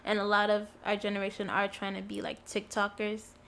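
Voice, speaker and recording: Young woman guest, relaxed and giggly. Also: mid-range voice, fairly quick, gravelly, slight background noise. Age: young adult. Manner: relaxed, short answers, giggly. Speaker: interview guest. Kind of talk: casual interview chat.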